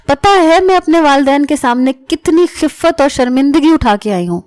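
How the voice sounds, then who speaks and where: A woman's voice: high-pitched, a little mellow, natural voice. A woman reading the lines of a proud young woman who scolds sharply, in a storybook narration. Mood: indignant.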